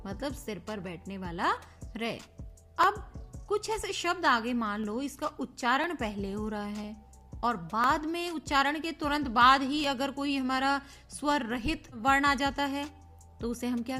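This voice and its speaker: Slow, high-voiced woman teaching grammar. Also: pushed and bright. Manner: playful, addresses pupils as children; spells words out letter by letter. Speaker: Hindi teacher. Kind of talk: recorded grammar lesson.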